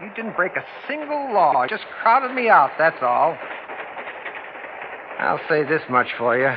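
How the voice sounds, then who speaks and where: A man's voice: on the high side, expressive, a little slow. An actor playing a bitter, sardonic man with a dry way of talking, in an old drama. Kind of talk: old broadcast drama acting. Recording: muffled, noisy old drama soundtrack.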